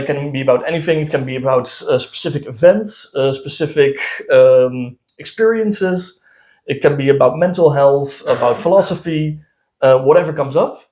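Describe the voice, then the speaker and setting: Halting Dutch-speaking man, somewhat high voice. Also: darkish tone. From southern Netherlands. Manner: halting, many filler sounds and restarts. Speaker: podcast co-host. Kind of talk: casual chat.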